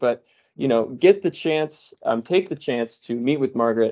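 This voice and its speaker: This is a man with an ordinary speaking voice. He talks at a fairly quick pace with lively intonation. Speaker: seminar organizer. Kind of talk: announcements and moderation.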